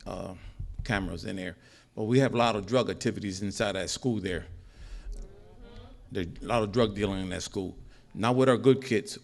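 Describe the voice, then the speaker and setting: A man's voice: on the low side, vocal fry. Middle-aged man, rambling public comment. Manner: rambling, repetitive, increasingly heated. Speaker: public commenter at a school board meeting. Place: school meeting hall.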